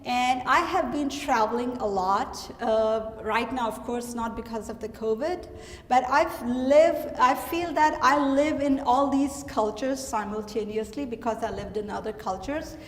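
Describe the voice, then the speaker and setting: Middle-aged Pakistani-accented woman artist, reflective, many fillers, rather high voice, long hall reverb. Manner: reflective, halting with frequent fillers. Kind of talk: gallery talk. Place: gallery hall. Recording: echoey gallery hall.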